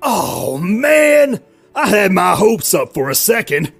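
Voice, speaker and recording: Man as bumbling gravelly middle-aged dad, slow and excitable, faint music behind. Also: high voice, heavily acted. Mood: rambling. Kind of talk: voiced animated roleplay.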